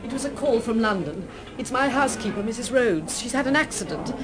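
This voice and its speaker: A fairly high woman's voice with clear music behind. An actress plays a well-mannered society woman in a radio play, under strain and quietly insistent. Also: lively intonation, brisk, natural voice. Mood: worried. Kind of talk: radio drama acting.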